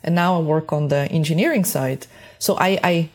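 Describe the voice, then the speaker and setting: A woman's voice: low voice, moderate pace. A woman from Switzerland speaking as an interview guest, reflective and enthusiastic as she talks about her work in a conversational way. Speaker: podcast guest, space mission engineer.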